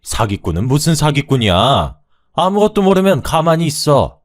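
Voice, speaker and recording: A man's voice: fairly low pitch, very animated, normal speed, a little mellow. A man playing a stubborn, overconfident older father-in-law who brushes off his wife's worries, in a radio story. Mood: dismissive.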